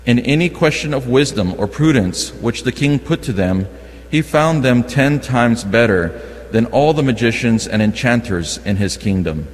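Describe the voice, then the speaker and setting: A man's voice: mid-range voice, animated, normal speed, hardly any pauses. A man formally reading scripture and a canticle as lector in a large, echoing church. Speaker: lector at Mass. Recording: long echoing church reverb.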